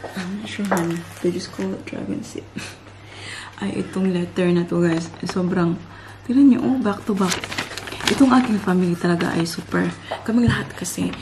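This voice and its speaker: Chatty mom vlogger, noisy background. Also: female voice, medium pitch. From Philippines. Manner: chatty, addresses viewers as "guys", laughs often. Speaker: family vlogger. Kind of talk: casual family vlog chat. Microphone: handheld vlogging camera or phone.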